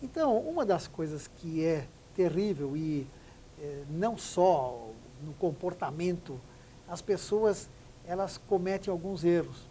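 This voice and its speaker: A woman with a mellow, warm voice explains business etiquette as an interview guest. She talks emphatically and slips into little acted-out phone greetings. A faint hiss sits behind her. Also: lowish voice, animated, unhurried, rough recording. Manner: emphatic, acts out phone examples.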